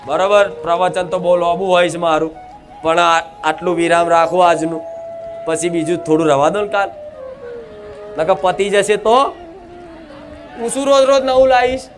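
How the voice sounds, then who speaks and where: A man with a high, lifted voice preaches in a long unbroken stream, speaking as a goddess through a medium. He exhorts and calls out to his listeners, leading them in chanted responses. Loud devotional music runs behind him the whole time. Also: fairly even intonation, normal speed. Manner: nonstop exhorting, leads call-and-response chants. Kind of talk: devotional sermon.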